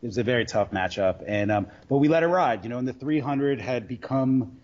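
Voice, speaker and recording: A man speaks in an average-pitched voice on dull, lo-fi audio. He tells stories casually, often stopping and restarting as he rambles along. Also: a little fast, darkish tone. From Queens, New York. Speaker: sports bettor guest. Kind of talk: casual storytelling interview.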